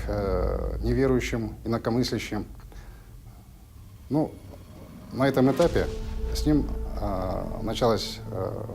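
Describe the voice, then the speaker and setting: A man giving a formal interview account as an official, speaking haltingly in bureaucratic phrases. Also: lowish voice, noisy background. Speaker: official interviewee on a criminal case.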